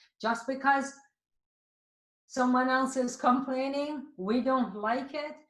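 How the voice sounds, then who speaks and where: A woman at a high pitch, fairly slow in pace, with audible room echo. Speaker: mindfulness trainer and coach. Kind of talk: webinar talk.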